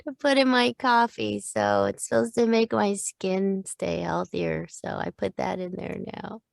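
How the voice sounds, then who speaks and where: A woman's voice: mid-range voice, expressive, unhurried, gravelly, dry recording. A woman in her fifties, a voice actor, telling long rambling stories in a casual interview, with many restarts and little quoted voices. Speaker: voice actor guest.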